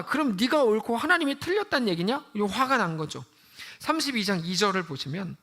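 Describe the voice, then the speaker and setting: A woman's voice: fairly high pitch, a bit bright. A woman pastor giving a conversational sermon in a church and asking her listeners one rhetorical question after another. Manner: conversational, asks the congregation many rhetorical questions.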